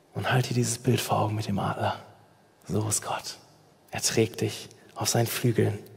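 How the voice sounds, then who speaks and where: A man speaks in a monotone, flat intonation at a moderate pace, with long, frequent pauses. There is audible room echo and noticeable background noise. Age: 20s. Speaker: youth preacher, medical student. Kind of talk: sermon. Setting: church service with live audience and livestream.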